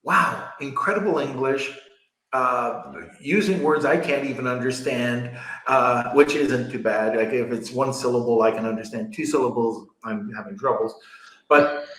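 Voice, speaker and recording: A man's voice: mid-range voice, normal speed, a bit bright. A man hosting a podcast, chatting casually, joking and laughing at himself. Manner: joking, laughs easily, self-deprecating. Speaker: podcast host. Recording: roomy echo.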